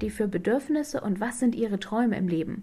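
A woman speaks at a moderate pace in a somewhat breathy, fairly high voice with ordinary pitch variation. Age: 30s. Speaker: life coach for mothers. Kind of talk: interview.

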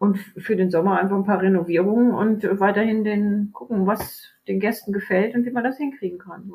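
A woman's voice comes through somewhat breathy and medium in pitch. Her intonation is fairly even. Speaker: hostel owner. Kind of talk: interview.

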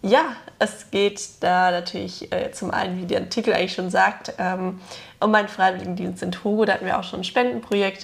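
Her voice has a medium pitch and fairly even intonation, moving at a fairly quick pace. Noticeable background noise runs behind the woman. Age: 20s. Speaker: law student, podcast co-host, author. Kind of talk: casual chat. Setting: studio sofa.

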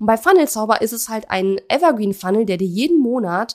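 This woman talks at a moderate pace with lively intonation and a fairly high pitch. She has an ordinary speaking voice. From Prignitz, Brandenburg, northeastern Germany. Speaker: podcast host, online course entrepreneur. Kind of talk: solo podcast monologue. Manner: casual, with frequent fillers.

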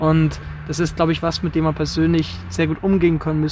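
Fairly high-pitched male speech with clearly audible background noise. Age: 20s. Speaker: youth parliament member. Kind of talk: casual group interview.

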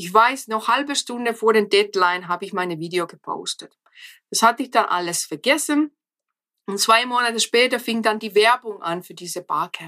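A woman with a Finnish accent speaks at a moderate pace in a fairly high, bright, sharp voice, with lively intonation and big swings in loudness. The sound is dry and close with no echo, on a very clean recording with a silent background. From Finland. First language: Finnish (speaking German). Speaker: entrepreneur and speech coach. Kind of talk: interview.

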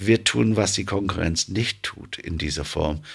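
A man speaks with a very deep, low pitch, vocal fry and lively intonation. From England. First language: English (speaking German). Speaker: plant manager. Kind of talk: interview.

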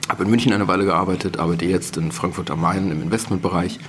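There is noticeable background noise as a man talks with a very deep, low pitch and ordinary pitch variation. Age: 30s. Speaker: conservative party politician. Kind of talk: interview conversation.

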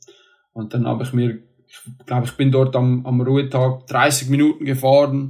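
A man with a medium pitch speaks at a moderate pace in a monotone, flat way, with big swings in loudness. Long pauses come often. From Switzerland. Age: 20s. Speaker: professional road cyclist. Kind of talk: interview.

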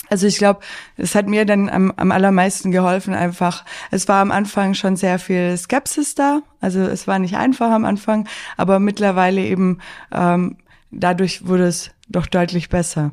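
In an unremarkable speaking voice, a woman of medium pitch talks at a moderate pace with fairly even intonation, on a very clean recording with a silent background. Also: very even loudness. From Allgäu, Bavaria. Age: 30s. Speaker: agricultural engineer. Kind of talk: interview. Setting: press centre at trade fair.

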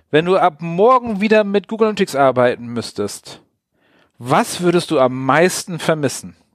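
A man's high-pitched voice at a moderate pace, with very wide pitch swings, in a very clean recording with a silent background. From Wilhelmshaven, northern Germany. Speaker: podcast host. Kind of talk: casual chat.

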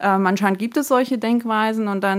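Her voice is a plain, everyday voice, a woman's medium pitch with ordinary variation. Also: very clean recording, silent background. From Germany (Saxony), born in Kazakhstan. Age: 30s. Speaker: skincare influencer. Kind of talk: interview testimony.

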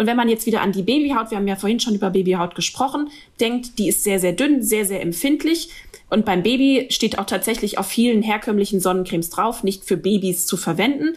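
Her fairly high, somewhat breathy voice moves at a fairly quick pace with lively intonation as this woman speaks. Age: 30s. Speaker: physician and children's skincare founder. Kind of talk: podcast interview.

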